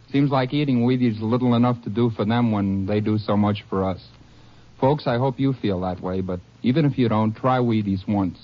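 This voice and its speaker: A man reading a folksy, earnest scripted sponsor testimonial on 1950s radio. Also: mid-range voice. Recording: muffled 1950s radio studio recording.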